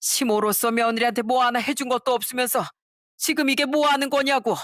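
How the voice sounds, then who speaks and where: A woman's voice: mid-range voice, fairly even intonation, unhurried, dry recording, natural voice. A woman voicing a stern middle-aged father-in-law who scolds his wife, recorded dry.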